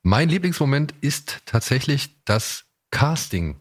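A man's voice: mid-range voice, sing-song, a little slow. A man chatting casually as a podcast co-host.

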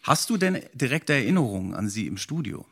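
A man's voice: mid-range voice, big pitch swings, a little fast, breathy edge. A middle-aged man co-hosting a podcast in a casual, inquisitive chatting style. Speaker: podcast co-host.

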